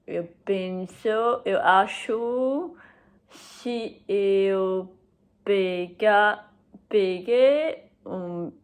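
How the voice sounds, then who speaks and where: A young woman with a German accent speaks slowly in halting beginner sentences, with frequent pauses, fillers and self-corrections, and laughs often. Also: mid-range voice, smooth. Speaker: language learner. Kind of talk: unscripted video message to her boyfriend.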